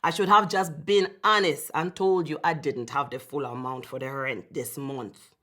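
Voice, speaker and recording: A woman's voice: deep voice, steady tone, fairly bright tone. Woman playing a sheepish, evasive uncle. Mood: sheepish, apologetic. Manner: hurried, sighing, colloquial.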